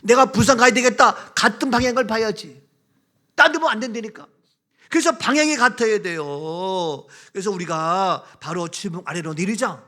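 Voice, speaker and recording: Pastor guy preaching, bright high voice, keeps repeating stuff and asking the crowd back. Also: moderate pace. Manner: emphatic, repeats key phrases, asks the congregation questions; acts out everyday quarrels in short quoted remarks. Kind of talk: sermon.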